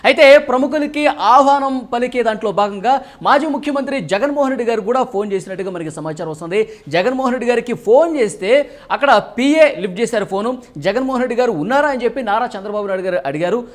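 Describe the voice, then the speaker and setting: A man's voice: very high voice, expressive, quick pace. A man giving live news reporting and political analysis, repeating points and often starting phrases with "so".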